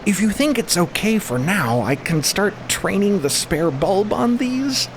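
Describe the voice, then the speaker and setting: A man puts on a timid, anxious ship technician in an audio drama, pitched very high for a man. He is hesitant and apologetic, repeating himself over loud background ambience. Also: sing-song, a little slow, noisy background, full character voice. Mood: flustered, apologetic. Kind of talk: fiction podcast character acting.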